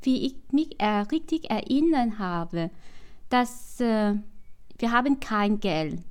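A Vietnamese-accented woman in her sixties, a non-native German speaker, telling her life story in an interview with halting phrasing and frequent restarts. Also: on the high side, clear, resonant tone.

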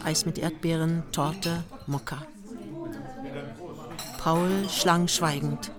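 A woman with a fairly low voice narrates a scripted radio play. She tells the story in a measured, matter-of-fact way, with music clearly playing behind her.

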